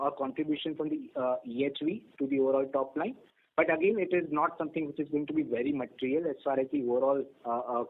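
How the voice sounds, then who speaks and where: On an earnings call, a company executive with an Indian accent and a voice on the high side answers questions in a measured, formal, somewhat hesitant way. The audio comes through a narrow, tinny conference phone line.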